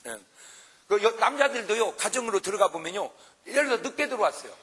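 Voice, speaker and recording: A male pastor preaching at a revival meeting, his high, bright voice leaping up and down as he jokes with the crowd. The sound carries a long reverb from the large church hall. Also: fast. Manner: animated, jokes and acts out quarrels for the congregation. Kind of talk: revival sermon.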